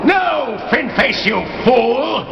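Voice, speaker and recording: A man's voice: very high-pitched, animated, very slow, creaky, heavy background noise, exaggerated voice. An actor playing a sneering, cackling male skeletal villain sorcerer in an audio drama. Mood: gloating. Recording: roomy, distant, muffled, loud music.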